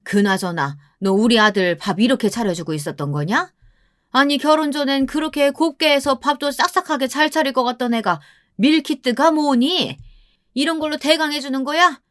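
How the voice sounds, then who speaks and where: Woman putting on a shrill scolding mother-in-law. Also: moderate pace, fairly bright tone, no echo, studio quality. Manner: scolding, whiny and self-pitying. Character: nagging, doting older mother-in-law.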